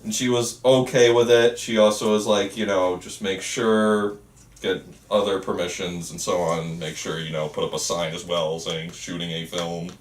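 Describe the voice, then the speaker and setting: Man, lowish pitch, casual group chat, distant mic, strong room echo. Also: fairly even intonation, moderate pace, slight background noise. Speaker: writer of a student film script. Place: indoor room at a group table read. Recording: echoey room, far from the mic.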